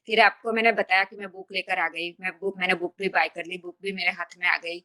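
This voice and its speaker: A woman's voice: on the low side, fairly even intonation, fairly quick, pushed and bright. A woman in a study group earnestly describing her fears about reading aloud to the group. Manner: earnest, nervous confessional telling. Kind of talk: casual group sharing.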